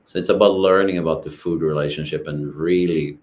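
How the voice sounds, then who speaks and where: Very deep-voiced man from Sweden. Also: brisk, slight background noise. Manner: calm, reflective, explains with everyday examples. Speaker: co-host of wellness masterclass. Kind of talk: explanatory casual talk.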